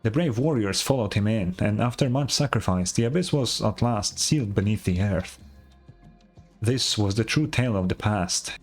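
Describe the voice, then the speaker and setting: An actor playing an earnest tribal storyteller in a video game, telling heroic legends in a measured, reverent, solemn way. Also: male voice, on the low side, lively intonation, slightly rough, faint music behind. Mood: solemn, dramatic. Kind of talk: dramatic storytelling, scripted game dialogue.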